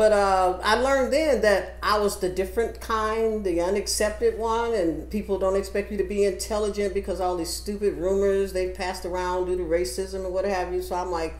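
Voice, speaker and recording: Fairly quick speech from a woman amid noticeable background noise and audible room echo. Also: hardly any pauses. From Missouri, US Midwest. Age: 60s. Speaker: stand-up comedian. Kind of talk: casual chat.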